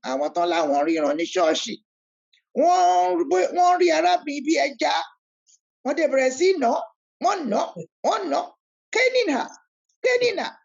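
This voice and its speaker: A woman's voice: sits high, sing-song, moderate pace, vocal fry, a little mellow, dull audio. A woman hosting an online spiritual talk, emphatic and preacherly, repeating key words over a video call. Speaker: host of an online spiritual discussion. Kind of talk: animated talk, switching between English and Yoruba.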